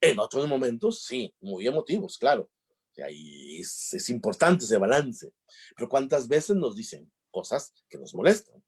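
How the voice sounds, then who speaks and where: Man, lecturer, husky voice, animated pitch, jokey anecdotes. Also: normal speed. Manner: jokey storyteller, acts out dialogues. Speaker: lecturer on emotional intelligence. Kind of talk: conference talk with anecdotes.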